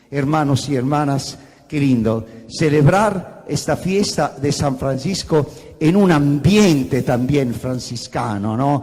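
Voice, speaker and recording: Speaking very slowly, a man with a fairly high pitch and ordinary pitch variation is heard amid noticeable background noise and audible room echo. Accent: Italian. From Italy. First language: Italian (speaking Spanish). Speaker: archbishop, papal diplomat. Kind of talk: sermon. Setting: church. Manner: halting.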